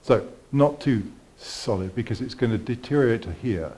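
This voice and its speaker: Animated male viola teacher coaching. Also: mid-range voice, normal speed. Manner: animated, sings phrases and encourages. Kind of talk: masterclass coaching. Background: viola and piano playing.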